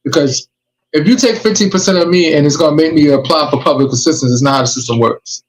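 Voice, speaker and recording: A podcast host with a somewhat high voice. He talks in a casual, streetwise way. He presses his points hard with blunt warnings. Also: quick pace, slight background noise, poor audio. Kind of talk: casual advice chat.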